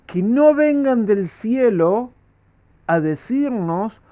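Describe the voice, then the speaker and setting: A man's voice: high voice, lively intonation, slow, warm tone. A man, a rabbi, teaching a Talmud class and asking his students rhetorical questions.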